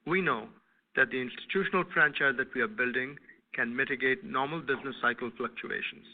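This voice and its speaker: A male company executive giving scripted earnings call remarks in a formal, deliberate manner. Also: mid-range voice. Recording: tinny phone-line conference call audio.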